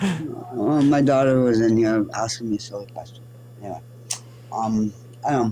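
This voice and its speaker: Through noticeable background noise, a woman with very deep, low pitch and ordinary pitch variation talks at a moderate pace with long, frequent pauses. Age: 60s. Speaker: caller. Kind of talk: heated debate.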